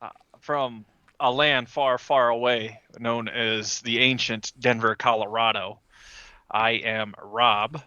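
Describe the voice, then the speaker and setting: A man's voice: medium pitch, steady tone, takes it slowly, pushed and bright, no room sound, lo-fi sound. A man chatting casually and jokily as a player on a podcast. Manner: jokey. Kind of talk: casual joking chat.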